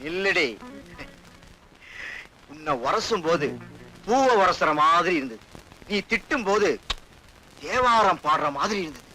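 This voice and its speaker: A man's voice: high voice, lively intonation, unhurried, long pauses, bright, forceful tone, slight background noise, heavily acted, poor audio. An actor playing an arrogant rich young man who leers and threatens, in an old film. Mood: menacing. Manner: menacing, leering. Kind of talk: 1980s film acting.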